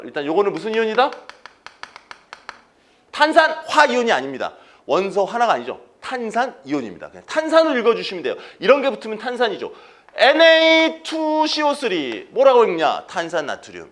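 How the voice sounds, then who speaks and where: Man, chemistry lecturer, fairly high voice, lively pitch, quizzing the class and repeating key terms. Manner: quizzes students with questions and answers them himself. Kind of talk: exam-prep lecture.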